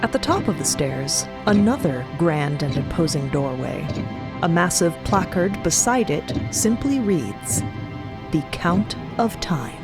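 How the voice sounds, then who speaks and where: A woman's voice: deep voice, big pitch swings, measured pace. A woman giving scripted dramatic narration as the narrator of a fiction podcast. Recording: clear music bed behind.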